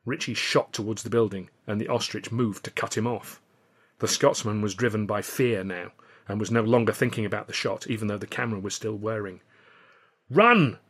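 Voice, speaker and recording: A man's voice: on the low side, steady tone, brisk. A man reading scripted first-person audiobook narration of a novel. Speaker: author reading own novel.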